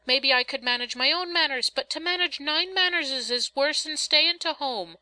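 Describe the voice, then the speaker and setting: A woman's voice: fairly high pitch, fairly even intonation, unhurried, pushed and bright, no echo, voice pushed up. A woman voicing an anxious, mournful eldest girl of a poor family, plaintive and rustic, in a storybook reading.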